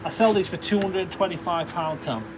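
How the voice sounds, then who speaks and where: A slightly high-voiced man with a Derbyshire accent talks casually to his livestream viewers from a workshop, reading out names and thanking them as he goes. Loud workshop noise, clicks and passing traffic sit behind his voice. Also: brisk. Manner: chatty, thanks viewers and reads out their names. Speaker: livestreaming stone carver.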